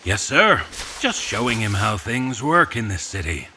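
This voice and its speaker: A man playing a sly, controlling gentleman shopkeeper in an audio drama, with a husky voice and formal, menacing politeness. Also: fairly low pitch, sing-song, slight background noise, exaggerated voice. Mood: falsely pleasant. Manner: formal, smooth-talking, deliberate wording. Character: sly, controlling, menacing fancy gentleman puppet-shop owner. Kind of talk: scripted audio drama dialogue.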